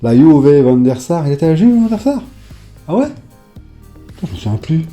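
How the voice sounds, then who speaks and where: A man's voice: fairly high pitch, very animated, normal speed, warm tone, faint music behind. A man chatting casually in a vlog, reading off long lists of names with plenty of fillers. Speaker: YouTuber showing his old football card collection.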